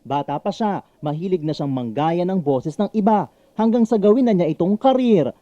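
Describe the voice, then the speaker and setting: A man's voice: high voice, animated, moderate pace, warm tone, no echo, dull audio. A man with a Filipino accent reading scripted narration as a TV news reporter.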